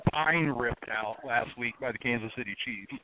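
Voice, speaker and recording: Man, sports talk host, brisk questions, sarcastic, mid pitch, thin phone-like sound. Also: no echo. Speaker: show host. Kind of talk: sports radio panel talk. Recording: dry, phone-like narrow band.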